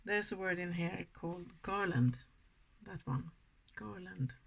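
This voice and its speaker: A woman from Sweden with a Swedish accent, chatting softly and giggling through a makeup tutorial, sometimes dropping to a whisper. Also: lowish voice, a little slow, creaky, breathy edge. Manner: soft-spoken, giggly, often drops to a whisper. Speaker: makeup vlogger. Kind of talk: casual makeup tutorial chat.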